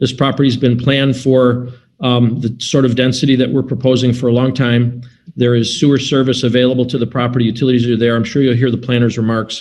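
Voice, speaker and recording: In a monotone, flat delivery, a man with an American accent rattles along at a very fast pace at a medium pitch. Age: 60s. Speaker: real estate developer. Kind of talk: applicant presentation at public meeting. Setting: video call. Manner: halting.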